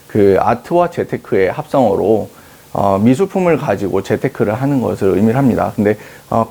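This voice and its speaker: A man in his thirties, a company head, answering interview questions in a measured, explaining way with frequent hesitation fillers. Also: fairly low pitch, gravelly, dark tone. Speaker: company CEO interviewed on art investment.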